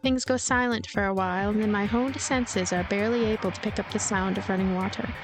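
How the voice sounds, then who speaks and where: A woman reading a game's story aloud as a let's play host, with expressive narration and casual asides. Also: medium pitch, a little fast, over music, rough recording. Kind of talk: voiced narration with casual commentary.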